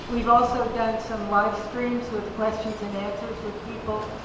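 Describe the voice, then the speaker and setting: A woman's fairly high, monotone, flat voice at a moderate pace, with audible room echo and noticeable background noise. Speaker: election integrity activist. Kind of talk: conference panel talk. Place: meeting room.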